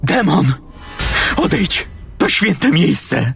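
A ragged, hoarse old crone of the village groves, voiced by a man, who murmurs cryptic sayings and turns savage when crossed. Her deep, husky voice carries the gloom of an audio horror tale, with soft music underneath. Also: measured pace, heavily acted. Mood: furious. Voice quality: low, hoarse. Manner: speaks in riddles, shrieks when angered. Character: hoarse old female village witch-healer, cryptic and fierce.

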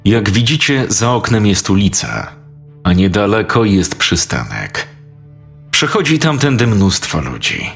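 A man voicing a cold, menacing dentist who torments his victims, speaking in a slow, measured way in a dramatized audio story. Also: sing-song, a bit bright, exaggerated voice. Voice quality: deep gravelly, slow and measured. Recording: faint music behind.

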